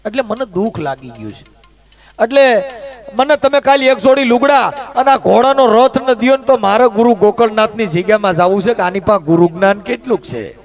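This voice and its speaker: A man voicing a poor, humble old devotee, in a soft, pleading, lowered voice. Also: expressive, a little fast, soft background music. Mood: aggrieved.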